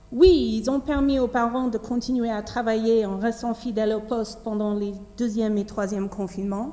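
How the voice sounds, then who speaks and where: A woman with a non-native accent speaks at a moderate pace. Her pitch is fairly high, with ordinary pitch variation. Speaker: politician. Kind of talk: formal opening speech. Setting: remote video link. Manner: formal.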